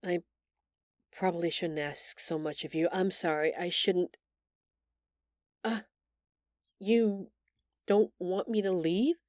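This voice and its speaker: A woman playing a gentle, shy female alien who stammers earnestly and apologetically in an intimate audio roleplay. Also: lowish voice, fairly even intonation, slow pace, pauses often, dry recording, studio quality. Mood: timid, apologetic.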